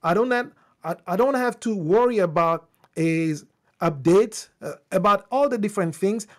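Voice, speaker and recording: A man's voice: high-pitched, moderate pace. A man whose first language is French, hosting a live-streamed tech talk in English, speaking off the cuff with restarts and fillers while greeting viewers. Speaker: host.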